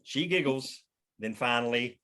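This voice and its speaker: A man reads scripted scene descriptions as the narrator of a table read. His voice is medium in pitch. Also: a little slow, bright, forceful tone. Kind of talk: scripted narration of stage directions.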